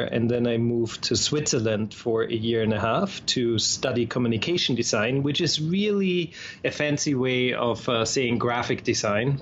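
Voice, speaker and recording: A man's voice: medium pitch, highs cut off, slight background noise. A man from Austria with an Austrian accent, a guest in a casual interview, talking in a chatty way with frequent restarts and repeated words.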